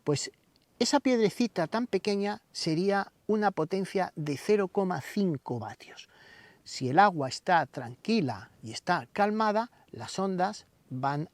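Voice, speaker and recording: A man's voice: high voice, animated, unhurried, dry recording. A man giving a didactic explainer as a channel host, stressing the openings of his phrases. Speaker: radio hobby channel host. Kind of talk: explainer to camera, semi-scripted tutorial.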